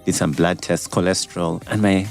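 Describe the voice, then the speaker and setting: A Ugandan man in his forties, a doctor, telling his life story in a relaxed interview with easy laughs. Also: sits low, moderate pace, faint music behind. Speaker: doctor and guest. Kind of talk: casual interview chat.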